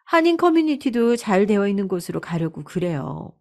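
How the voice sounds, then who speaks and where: A woman's voice: mid-range voice, big pitch swings, moderate pace, creaky, warm tone. A woman voicing a pushy, scheming daughter-in-law. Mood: coaxing. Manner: persuasive, pushy, sweetly insistent.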